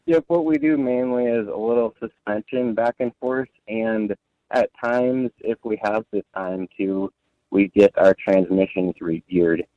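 A laid-back man answering interview questions over a phone line, pausing often with fillers as he talks about racing. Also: lowish voice, dark tone, dry recording. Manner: laid-back, many "uh" fillers and trailing sentences. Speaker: off-road buggy racer guest.

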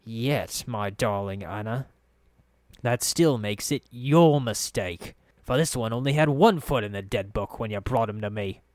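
A man's voice: mid-range voice, very animated, normal speed, no echo, natural voice. A man voicing a sly, theatrical underworld boss who speaks with mock courtesy and menace. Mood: quietly menacing.

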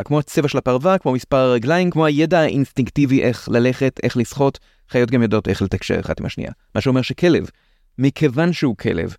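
גבר ישראלי בקול חורק, מסביר בשיחתיות. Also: male voice, mid-range voice, creaky, a little mellow, no room sound, studio quality. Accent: Israeli. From Israel. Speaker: host of a science explainer show. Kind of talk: conversational explanatory narration.

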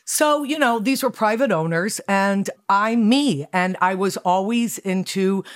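A woman's voice: mid-range voice, a little slow. Enthusiastic woman telling her story. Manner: enthusiastic, animated, acts out quotes. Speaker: guest, fitness studio founder. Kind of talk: conversational interview storytelling.

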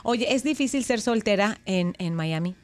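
A woman's voice: fairly high pitch, lively intonation, normal speed. A woman hosting a casual interview, playful and joking. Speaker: interview host.

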